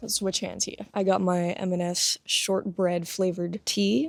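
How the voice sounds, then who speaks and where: A woman with an American accent speaks quietly, the sound dry and close with no echo. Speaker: podcaster. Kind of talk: casual monologue. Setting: outdoors, in a garden.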